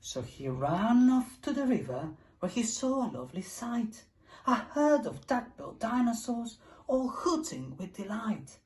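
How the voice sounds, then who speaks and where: A woman's voice: on the high side, sing-song, a little slow, darkish tone. A woman reading a rhyming picture book aloud with a rhythmic, sing-song delivery. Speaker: storybook reader.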